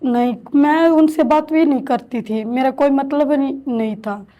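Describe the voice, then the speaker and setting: A woman in her thirties slowly recounting her own story with halting restarts, as an interviewee in a shelter home. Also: high-pitched, warm tone, dull audio. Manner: halting, slow, hesitant with restarts. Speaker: interviewee, domestic violence survivor. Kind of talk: emotional personal testimony.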